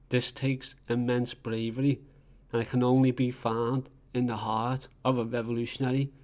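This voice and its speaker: A man with a flat, monotone voice speaks in a casual, rambling podcast monologue. His pitch stays even and unvaried, sitting in a middle register for a man. He talks loosely and sometimes swears. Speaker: podcast host.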